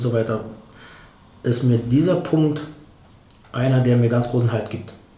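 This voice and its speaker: There is noticeable background noise and audible room echo as a man speaks with fairly even intonation. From eastern Germany, Brandenburg (Uckermark). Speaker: street youth worker. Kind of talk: interview conversation. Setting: office.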